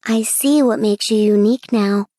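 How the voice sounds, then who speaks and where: A woman voicing a kind, gentle male crow with a raspy voice in a children's storybook reading. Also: fairly high pitch, normal speed, dry recording, clean studio sound, lightly acted. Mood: encouraging.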